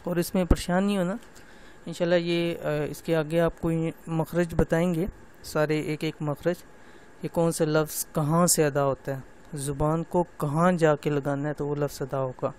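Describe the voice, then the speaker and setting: In this tajweed class for women, a middle-aged man's voice sits on the high side with little pitch movement and a darkish tone, over slight background noise. He explains patiently, slowly drawing out letter sounds and frequently saying "theek hai."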